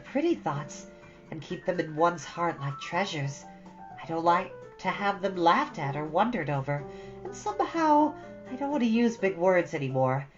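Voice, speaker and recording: A woman's voice: fairly low pitch, natural voice. A woman voicing a thoughtful, earnest fifteen-year-old girl from a storybook, reflective and dreamy. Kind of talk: storybook character dialogue. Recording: dull audio over soft guitar music.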